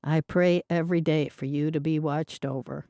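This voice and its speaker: A woman reading as a gentle, earnest Amish young man. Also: low-pitched, fairly even intonation, normal speed, no room sound, clean studio sound.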